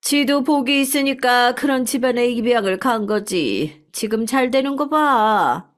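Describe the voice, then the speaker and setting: A speaker voicing a chatty middle-aged woman running a small restaurant, gossiping with drawn-out exclamations. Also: medium pitch, lively intonation, fairly bright tone, pitched above the performer's own voice. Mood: gossipy.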